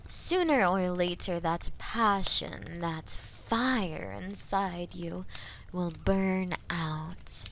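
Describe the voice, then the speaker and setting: Haughty she-dragon, voiced by a woman, fantasy audio drama: drawn-out taunting delivery, breathy whispers, mid pitch, faint background noise. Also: a bit bright, exaggerated voice. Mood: menacing, patient. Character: haughty, menacing female dragon toying with captive knight. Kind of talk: slow, theatrical roleplay monologue in medieval fantasy audio drama.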